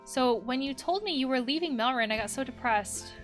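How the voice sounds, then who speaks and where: A woman reads the part of a troubled young trans woman of eighteen in a video game. The voice is fairly high, earnest and confessional, over faint music. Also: lively intonation, brisk. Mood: relieved, confiding. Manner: confessional, reading out written messages.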